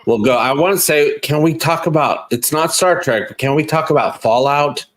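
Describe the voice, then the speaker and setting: A man's voice: on the high side, normal speed, a bit bright. Enthusiastic man on a podcast. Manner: enthusiastic fan talk. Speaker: podcast co-host. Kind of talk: casual chat.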